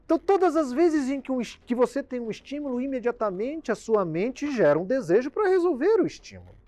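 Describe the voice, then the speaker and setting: A Brazilian man, a doctor, explaining habits in an emphatic talk that swings from loud bursts to quiet endings. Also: very high voice, sing-song, fairly quick, no echo. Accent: Brazilian Portuguese.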